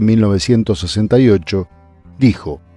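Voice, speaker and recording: Music can be heard in the background. Over it, a man talks at a moderate pace. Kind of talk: documentary narration.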